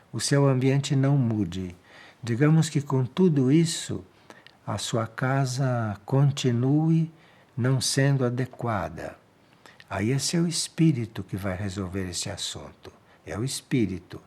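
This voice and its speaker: A man with a Brazilian Portuguese accent giving a calm spiritual talk, answering listeners' questions in a measured way and repeating key phrases for emphasis. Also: medium pitch, husky.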